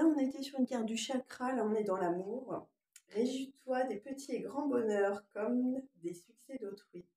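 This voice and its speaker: A woman's voice: fairly high pitch, darkish tone, reverberant. A woman with a lingering cough giving an informal spiritual card reading, moving between read-out passages and hesitant, musing asides. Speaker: oracle card reader.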